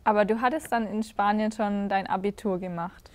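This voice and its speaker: Woman interviewer, mid pitch; encouraging, nods along with frequent short agreements. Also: steady tone, moderate pace, darkish tone. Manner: encouraging, frequent back-channel "mhm". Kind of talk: friendly interview questions.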